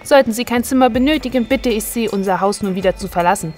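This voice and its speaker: An actress playing a falsely polite, stiff hotel receptionist, formal and coolly courteous, in a sci-fi audio drama. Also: female voice, a little high, fast talker, darkish tone, faint music behind, lightly acted. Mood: cool, officious.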